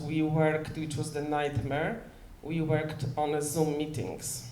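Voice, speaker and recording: A woman with a Polish accent and a very deep, low pitch speaks at a fairly slow pace with fairly even intonation, with audible room echo and noticeable background noise. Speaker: film director and producer. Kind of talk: interview Q&A. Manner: hesitant, many fillers.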